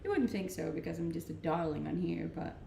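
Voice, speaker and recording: A woman's voice: on the low side, brisk, gravelly, warm tone, a little hiss or hum. A woman with a Danish accent, chatting easily on a livestream from her rented home, reading out and answering viewer comments and laughing often. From Denmark. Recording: roomy echo.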